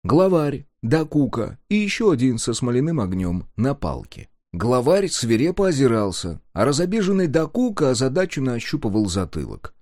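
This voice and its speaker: Male narrator, lively storytelling. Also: mid-range voice, moderate pace, few pauses, dry recording, clean studio sound. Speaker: audiobook narrator. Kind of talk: expressive audiobook narration.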